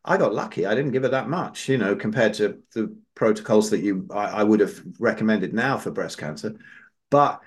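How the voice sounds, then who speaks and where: A man's voice: lowish voice, moderate pace. A man hosting a podcast, telling a long personal story casually, his voice jumping up when he quotes others. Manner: animated, rises sharply when quoting others. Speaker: podcast host.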